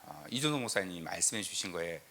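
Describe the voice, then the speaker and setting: A middle-aged Korean pastor from the south with a slight southern regional lilt, preaching a teaching sermon with scripture readings and rhetorical questions. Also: male voice, deep voice, expressive, quick pace, gravelly, sharp tone, slight background noise. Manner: emphatic, rhetorical questions, frequent "eo" fillers. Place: church sanctuary.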